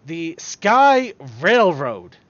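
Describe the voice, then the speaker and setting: A man's voice: sits high, big pitch swings, drawn-out words, fairly bright tone, dry recording, muffled recording. A man hosting a podcast in casual chat, rambling and stumbling over his words as he goes. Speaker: podcast host.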